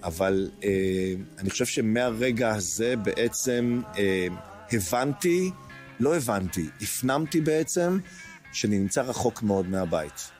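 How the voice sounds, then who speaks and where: A man in his sixties, an interview guest, recounting a personal ordeal in a hesitant way, searching for words with many pauses. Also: lowish voice, lively intonation, darkish tone, faint music behind. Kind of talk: emotional personal testimony.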